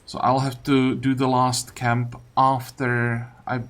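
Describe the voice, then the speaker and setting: A man's voice: medium pitch, monotone, takes it slowly, a bit bright. A man giving casual game commentary, thinking aloud through his tactics in loose fragments. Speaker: gaming video creator. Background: game music.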